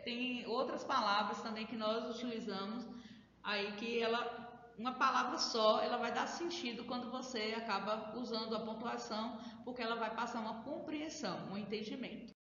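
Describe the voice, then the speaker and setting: A woman's voice: on the high side, a bit bright, a little hiss or hum. A woman schoolteacher with a Brazilian Portuguese accent giving a remote lesson, explaining step by step and often checking in with her students. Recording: very echoey room, dull lo-fi sound.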